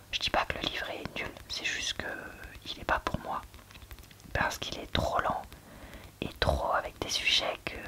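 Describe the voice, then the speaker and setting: A woman speaking in a soft, breathy library whisper, chatting casually and hesitantly in an ASMR book review. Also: rough recording. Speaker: book reviewer, host of a reading channel.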